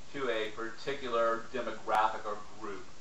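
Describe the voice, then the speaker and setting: A man is speaking in a room with audible echo. Light background noise can be heard. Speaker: sales trainer. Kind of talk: tutorial. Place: home room. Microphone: camera far.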